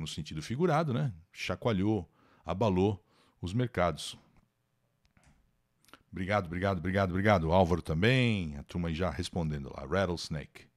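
A man from Brazil teaching English in a live lesson. He reads English text aloud, translates it, explains it, and talks to his viewers by name. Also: low voice. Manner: lively, encouraging teacher voice.

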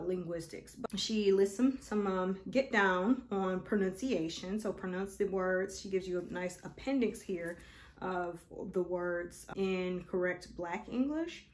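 A woman in her thirties with an African American accent, giving an informal explainer and reading examples from a book in a thoughtful, halting way. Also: medium pitch. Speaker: presenter of an educational video. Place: small indoor room, seated before a wall.

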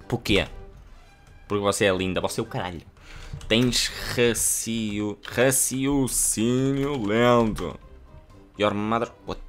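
A man's voice: on the low side, a bit bright. A young man from Portugal, joking crudely while he reads chatbot replies aloud in a casual gaming vlog. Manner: jokey, crude, reads typed lines aloud. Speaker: gaming youtuber.

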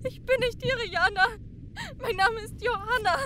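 A woman's voice: extremely high pitch, normal speed, background noise. An actress playing a frightened young woman held hostage in a radio drama, crying out in distress.

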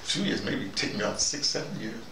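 A man's voice: fairly low pitch, fairly quick, close to an everyday voice. A man playing an easygoing, opinionated intellectual character, rambling and digressing animatedly in a casual monologue. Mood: opinionated, insistent. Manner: digressive, animated, argumentative, punctuated with "you know". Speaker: vlogger in character. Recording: distant mic, echoey room, loud background noise.

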